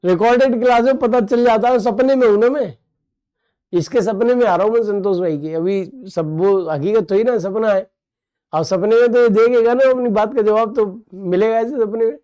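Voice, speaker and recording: A man leads an online exam-prep lesson in a high but mellow voice. He jokes along with students' comments, then drills terms by repeating them and asking quick questions. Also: smooth. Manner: playful, joking with students' comments. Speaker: teacher.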